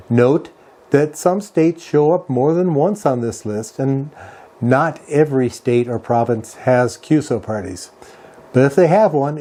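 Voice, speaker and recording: Measured man explaining things step by step. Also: medium pitch, mellow. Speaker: ham radio video host. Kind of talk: instructional narration, walking through a website.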